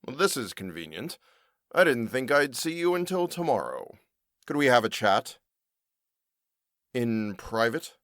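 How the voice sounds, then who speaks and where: Smug male regional manager for audio drama: formal, quietly menacing, animated pitch, dry close sound. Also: measured pace, pauses often, dry recording. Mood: politely menacing.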